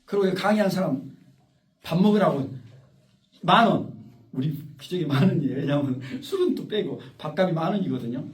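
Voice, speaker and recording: Rambling animated man lecturing a group. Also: a little high, brisk. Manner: rambling, animated, chatty, interrupted by the audience. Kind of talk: informal lecture to a small group. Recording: echoey room, far from the mic.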